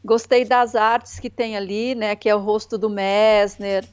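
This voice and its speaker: A woman's voice: mid-range voice, steady tone, unhurried, clear, resonant tone. Chatty woman on a dull line. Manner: chatty, self-deprecating, lots of tag questions. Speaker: podcast host. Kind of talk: casual interview chat. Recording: dull lo-fi sound.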